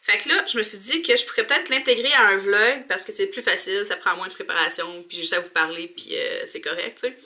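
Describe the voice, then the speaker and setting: A young woman with a Quebec accent and a very bright, forward voice talks in a colloquial, chatty way. She speaks informally to the camera, as in a home vlog filmed in a bathroom. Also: medium pitch, fast, hardly any pauses. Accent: Quebec French. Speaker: mom vlogger. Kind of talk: casual vlog chat to camera.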